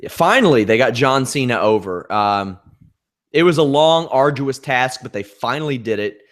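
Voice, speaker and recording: A man with a noticeably nasal voice chats casually as a podcast co-host. His delivery is wry and sarcastic, and his pitch sits in an ordinary middle register. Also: expressive, normal speed, fairly bright tone. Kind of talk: casual wrestling chat.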